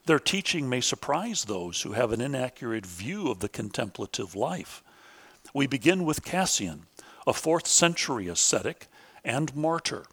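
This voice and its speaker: A man reading a scripted academic lecture in a measured, deliberate and formal way, pausing for quotations. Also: mid-range voice, fairly bright tone, slightly rough.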